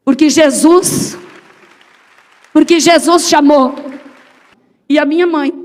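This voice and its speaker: High-voiced woman giving a church testimony. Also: long reverb tail. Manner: storytelling, acts out quoted dialogue. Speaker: testimony speaker. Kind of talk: emotional sermon testimony.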